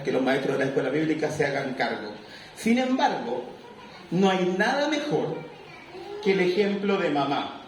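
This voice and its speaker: A man preaching a sermon as pastor, lively and animated, acting out little scenes. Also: sits high, slight background noise. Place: church. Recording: echoey room, mic far off.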